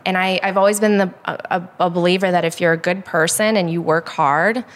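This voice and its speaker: Young woman from Poland, American accent, interview guest, chatty with fillers, lower register. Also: fairly even intonation, brisk. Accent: American, Chicago-influenced. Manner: talkative, frequent likes and ums. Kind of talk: candid conversational interview.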